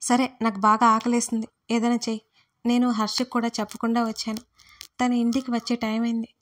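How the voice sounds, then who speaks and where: A woman's voice: a little high, little pitch movement, brisk, close to an everyday voice. A woman voicing a hurt, demanding adult daughter who confronts her parents in an audiobook family drama. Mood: tearful. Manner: reproachful, emotional. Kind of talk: audiobook role reading.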